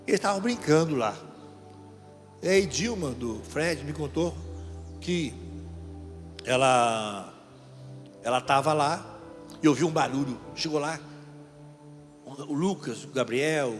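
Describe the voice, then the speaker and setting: A middle-aged man from Brazil, a deacon preaching a storytelling sermon and putting questions to the crowd. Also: mid-range voice. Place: large event hall. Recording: long hall reverb, faint music.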